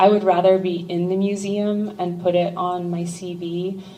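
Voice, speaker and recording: A woman with a fairly low voice and an American accent speaks in a flat monotone, with audible room echo and noticeable background noise. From Los Angeles area, California. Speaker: fine art photographer, keynote speaker. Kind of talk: keynote talk with Q&A. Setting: conference room with audience. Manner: casual, many fillers.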